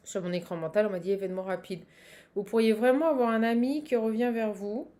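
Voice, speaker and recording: A woman's voice: medium pitch, brisk, dark tone. A woman with a Parisian French accent giving a casual improvised card reading to viewers, chatty and exclamatory, repeating herself and breaking off mid-thought. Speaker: tarot card reader and channel host.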